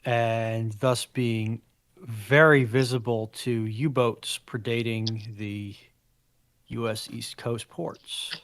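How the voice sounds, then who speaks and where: A man's voice: mid-range voice, fairly even intonation, takes it slowly, a bit bright. A man from the United States, a panelist trading casual banter in a dry, sardonic way.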